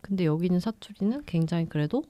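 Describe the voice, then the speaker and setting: Woman on a book podcast, lowish voice that moves around a lot, explaining stuff. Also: lively intonation, quick pace, no room sound, muffled recording. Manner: explanatory, thoughtful. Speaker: podcast co-host. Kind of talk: casual book discussion.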